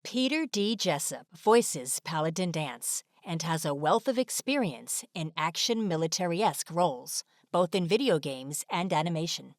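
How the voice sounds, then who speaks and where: A woman delivers scripted video narration in a fairly low voice. The sound is dry, like a studio voice-over, with no room echo. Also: lively intonation, normal speed, few pauses.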